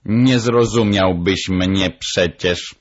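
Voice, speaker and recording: A shrill, self-assured parrot hen lecturing her master, pitched well above the reader's own deep, slow voice, as a man puts her on. She preaches with pride and insistence in a storybook reading, and the recording sounds dull and lo-fi. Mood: proud, lecturing. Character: proud lecturing female parrot.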